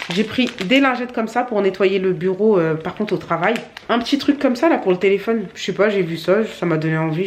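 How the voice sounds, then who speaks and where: A woman's voice: mid-range voice, slight background noise. A young woman vlogging at home, talking to her viewers in a chatty, upbeat, slangy way into a handheld phone. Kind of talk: casual vlog chat. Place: at home, indoors.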